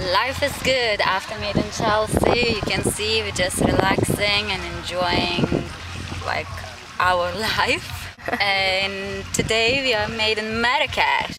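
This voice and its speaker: Loud background noise surrounds a woman speaking at a very slow pace. The sound is dry, with no echo. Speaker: reality TV personality. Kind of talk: interview answer. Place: garden. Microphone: phone near.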